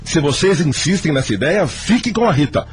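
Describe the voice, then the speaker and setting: A male actor plays a hot-tempered, stubborn father in a radio soap. The voice is a little high for a man and swings with emphatic indignation. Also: animated, a little fast, close to an everyday voice. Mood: vehement. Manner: vehement, emphatic. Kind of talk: radio soap opera acting.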